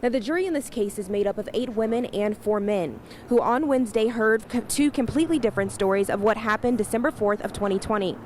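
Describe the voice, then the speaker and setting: A woman's voice: fairly high pitch, quick pace, hardly any pauses, a little mellow. A woman TV news reporter delivering a scripted live report from the field. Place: live remote at a courthouse. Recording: clear background noise, live on location.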